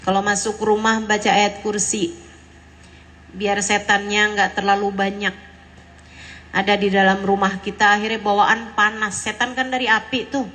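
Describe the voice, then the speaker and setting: A woman's voice: mid-range voice, flat delivery, moderate pace, fairly bright tone, rough recording. A woman preacher giving a sermon to mothers, earnest and mixing in casual everyday slang. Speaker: female preacher addressing mothers.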